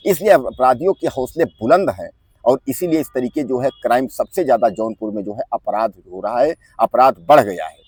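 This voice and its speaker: A man giving direct-to-viewer news commentary, talking to the audience as friends, repeating his points insistently and often filling pauses with a habitual filler phrase. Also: medium pitch, animated, a little mellow, slightly rough, no room sound. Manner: keeps inserting the filler "jo hai".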